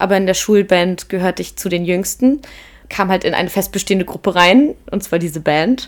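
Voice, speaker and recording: In an ordinary speaking voice, a woman talks at a fairly quick pace with medium pitch and ordinary pitch variation. The recording is very clean, with a silent background. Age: 20s. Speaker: art student. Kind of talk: casual chat.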